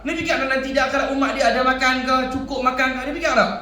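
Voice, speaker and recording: A male religious teacher gives a sermon in a small village prayer hall. His voice sits high, and he tells stories in an animated way, acting out the speech of others. The hall rings with echo, and he sounds a little distant from the microphone. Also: very fast. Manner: animated storytelling with laughter and acted quotes. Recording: echoey hall, speaker far from mic.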